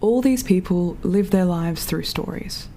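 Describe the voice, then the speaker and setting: A woman playing a reflective, philosophical storyteller, delivering a solemn, deliberate monologue in an audio drama. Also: lowish voice, mellow, a little hiss or hum. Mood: solemn, musing.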